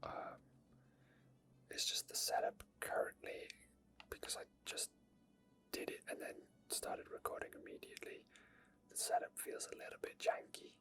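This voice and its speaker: A person whispering softly, very close to the microphone, in unscripted ASMR game commentary and chat. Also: moderate pace, long pauses. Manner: soft whispering throughout. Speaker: ASMR gaming video creator. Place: indoor gaming setup at a computer. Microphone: microphone very close to the mouth.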